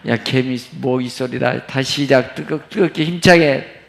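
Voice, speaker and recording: Pastor urging children to pray louder. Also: male voice, mid-range voice, moderate pace, gravelly, a little hiss or hum. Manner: coaxing, commanding the children to shout louder. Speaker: pastor leading prayer meeting. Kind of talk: leading a church prayer meeting. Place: church sanctuary.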